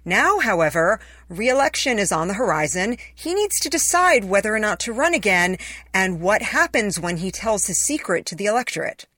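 A woman's voice: mid-range voice, fairly bright tone, no echo, clean studio sound. A woman reading her own written essay in a conversational, personal storytelling manner. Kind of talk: scripted first-person essay narration.

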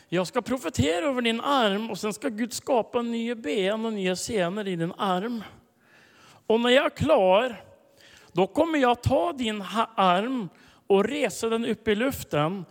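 A man preaching a sermon to a congregation, telling a story with sudden loud, high-pitched bursts of emphasis. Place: large hall, preaching to a congregation. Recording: long hall reverb.

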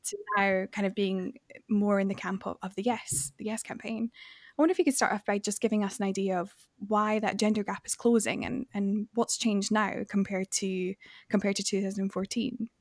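A young woman from Fife with a softened Scottish accent, hosting a podcast in a conversational style. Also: mid-range voice, level tone, moderate pace, no echo, clean studio sound. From Fife, Scotland. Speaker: podcast host.

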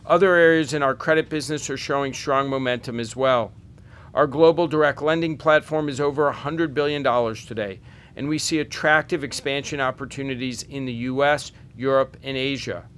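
A man's voice: medium pitch, fairly even intonation, fairly bright tone. Male executive reading remarks over background noise. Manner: formal, measured reading of prepared remarks. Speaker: company executive presenting on an earnings call. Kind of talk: scripted corporate presentation.

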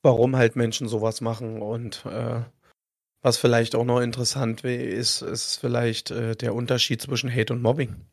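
A hoarse man chatting on a podcast, hesitant and working from his notes. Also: mid-range voice, little pitch movement, moderate pace, dry recording, clean studio sound. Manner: hesitant, many fillers, reads from notes. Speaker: podcast co-host. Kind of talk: casual podcast chat.

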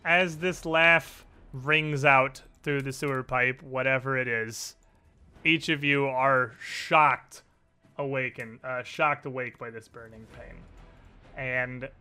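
A man narrating a tabletop role-playing game as game master, telling it deliberately and with suspenseful pauses. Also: mid-range voice, sharp tone, clean tone.

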